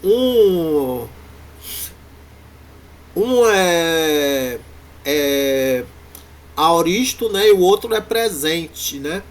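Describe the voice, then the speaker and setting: A man with a Brazilian Portuguese accent, teaching a university Greek class in a halting way, full of fillers and restarts. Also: fairly high pitch, lively intonation. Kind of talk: classroom lecture.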